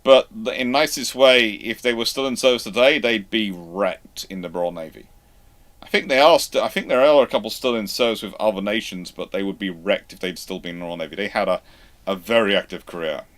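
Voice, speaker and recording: A man with a noticeably bright tone talks casually as the host of a live question session. His speech comes in halting runs, with stammered starts and repeated words as he works out his answers. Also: lowish voice. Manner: halting, stammering false starts and self-repetition.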